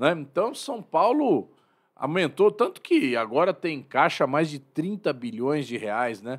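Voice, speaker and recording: A man speaks at a very slow pace, his pitch swinging very widely. The background is quiet. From Brazil. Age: 60s. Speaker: politician and podcast host; politician, podcast host. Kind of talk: casual interview. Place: studio. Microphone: studio mic.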